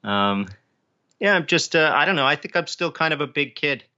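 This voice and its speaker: A man's voice: a little high, expressive, moderate pace, bright, forceful tone. A man speaking as an interview guest in a casual, hesitant, self-effacing way. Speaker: podcast guest, author and post-production engineer. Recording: slightly dull, band-limited audio.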